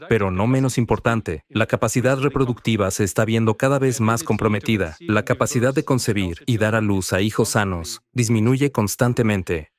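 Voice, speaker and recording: Lowish male conference speaker, even and formal. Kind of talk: formal scientific presentation.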